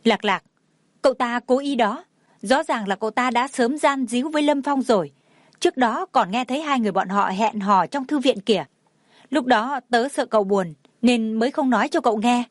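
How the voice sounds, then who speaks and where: A woman's voice: fairly high pitch, normal speed, no room sound, studio quality, natural voice. A woman voicing an indignant young female college friend who talks in an urgent, pushy way.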